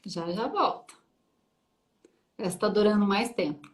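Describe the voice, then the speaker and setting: A woman's voice: medium pitch, measured pace. A Brazilian woman hosting a live interview on a video call, chatting and giving direct advice. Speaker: host.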